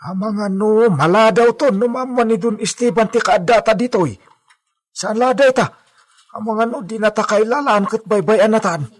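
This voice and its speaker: A man's voice: high-pitched, moderate pace. A man playing an older male farmhand who frets and scolds, sighing and exclaiming as he worries. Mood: worried. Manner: worried, fussing, many sighs and exclamations. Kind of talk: amateur audio drama acting.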